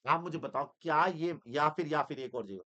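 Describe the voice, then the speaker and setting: Man, accounting teacher, lively teasing classroom delivery, bright tone. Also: on the high side, moderate pace, dull audio. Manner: animated, teasing, mixes Hindi with English terms. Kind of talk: energetic classroom lecture.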